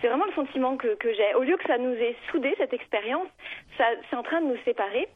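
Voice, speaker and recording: A woman's voice: sits high, animated, fast. A woman in her forties from France, with a French accent, calling in to a radio show and telling her troubles in an earnest, hesitant way. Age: 40s. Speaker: caller. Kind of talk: caller telling her problem on air. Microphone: telephone. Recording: tinny phone line.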